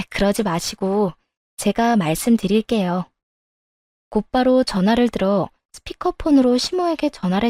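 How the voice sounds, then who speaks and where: A woman narrating a dramatic family story in the first person, calm and scripted. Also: medium pitch, dry recording, studio quality.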